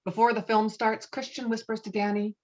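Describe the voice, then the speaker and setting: A woman's voice: a little high, level tone, a little fast, a little mellow. Woman narrating, slightly muffled sound. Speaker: stage-direction narrator. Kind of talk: scripted narration at a table read.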